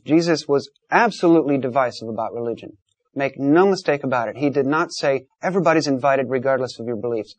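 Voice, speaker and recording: A man's voice: medium pitch, fast, no echo. A man hosting a call-in debate, talking in an emphatic, blunt, lecturing way. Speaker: talk show host.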